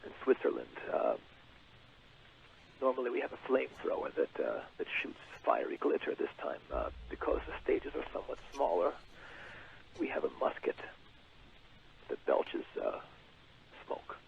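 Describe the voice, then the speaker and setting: A man calling in as a swaggering, self-important rock frontman who boasts with halting pauses. His gravelly voice swings up and down in pitch, and it comes through a tinny, hissy phone line. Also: wildly swooping pitch, exaggerated voice. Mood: pompous. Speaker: caller. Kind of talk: comedic call-in character.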